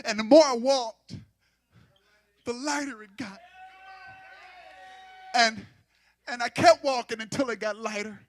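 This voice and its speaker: A man's voice: extremely high pitch, unhurried, long pauses. A man preaching a sermon into a pulpit microphone, building fervor and teasing the congregation to respond.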